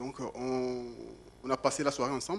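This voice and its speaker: The speaker is a man with a medium-pitched voice. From Togo. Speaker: church member giving testimony. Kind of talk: testimony. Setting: church. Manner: halting. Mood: earnest, recounting hardship. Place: church. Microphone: handheld.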